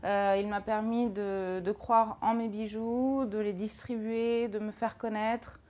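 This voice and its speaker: A woman in her thirties, a jewelry designer, answering interview questions calmly and in a measured way. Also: mid-range voice. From France. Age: 30s.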